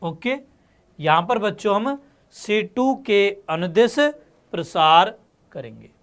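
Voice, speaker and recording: A man's voice: sits high, animated, slow, a bit bright. A man teaching maths to students, explaining each step patiently and often checking that they follow. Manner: addresses students as beta and bachche, frequent check-ins. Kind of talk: classroom lesson explaining solutions step by step.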